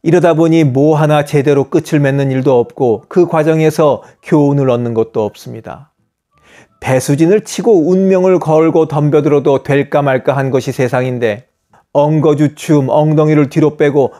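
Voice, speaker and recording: A man in his fifties, a channel host, reading scripted voice-over narration in a measured, earnest, advice-giving way. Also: on the high side, dark tone.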